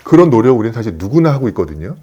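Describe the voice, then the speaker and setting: A man's voice: medium pitch, sing-song, racing, warm tone, lo-fi sound. A man in his fifties, a plastic surgeon, telling stories in an earnest, reflective way. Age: 50s. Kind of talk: casual conversational talk.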